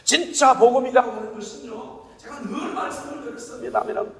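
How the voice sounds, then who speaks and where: A male pastor with a Gyeongsang Korean accent preaching a sermon, telling stories lively and asking the congregation rhetorical questions. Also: extremely high pitch, a little fast, vocal fry. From Gyeongsang region, Korea. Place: church sanctuary. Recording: long church-hall reverb.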